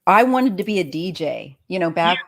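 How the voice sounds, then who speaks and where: A woman's voice: lowish voice, lively intonation, moderate pace, fairly bright tone. An older woman hosting a casual live chat, encouraging her guest with frequent affirmations. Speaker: host.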